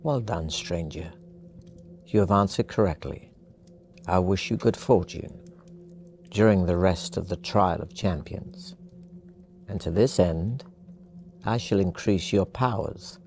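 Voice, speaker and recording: An actor voicing a giggling white-haired old man who sets riddles, in a high-pitched gleeful voice. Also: takes it slowly, long pauses, darkish tone, a little hiss or hum. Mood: pleased, grand.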